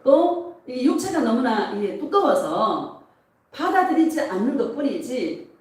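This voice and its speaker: Woman pastor, animated sermon delivery, mellow tone, recorded at a distance in a reverberant church. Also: high-pitched, a little slow. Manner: emotional, animated preaching with laughs. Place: church sanctuary. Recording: echoey church hall, mic at a distance.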